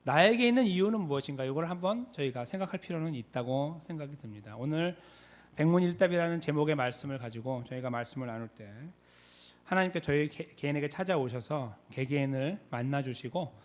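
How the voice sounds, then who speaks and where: A man pastor giving a conversational sermon, with frequent filler pauses. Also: a little high. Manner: conversational, many fillers, reenacts shouted call-and-response. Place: church sanctuary.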